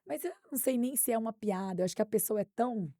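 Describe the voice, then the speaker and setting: A woman with a Brazilian accent, speaking as a guest expert in an interview and telling anecdotes in a lively way. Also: on the high side, racing, no room sound, studio quality. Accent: Brazilian Portuguese. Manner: animated anecdote-telling, acts out quotes. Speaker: guest expert on workplace harassment. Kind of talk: conversational interview storytelling.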